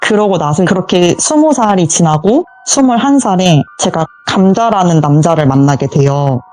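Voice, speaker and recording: A woman's voice: on the low side, animated, moderate pace, a little mellow, soft background music. A woman telling her own true ghost story as a guest, vividly acting out the voices in it.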